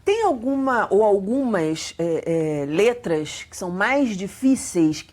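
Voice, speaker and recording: A woman's voice: mid-range voice, very animated, takes it slowly, a little mellow. A Brazilian woman host with a Brazilian Portuguese accent, moderating an interview with short questions and frequent backchannels.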